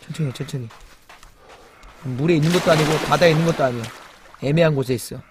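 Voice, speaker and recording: A young man streaming a survival game, chatting with viewers, muttering to himself and crying out loudly when startled. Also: rapid-fire, slight background noise. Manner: jumpy, exclaims loudly when startled, then mutters low; chats with viewers and reads the chat. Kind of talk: live game commentary.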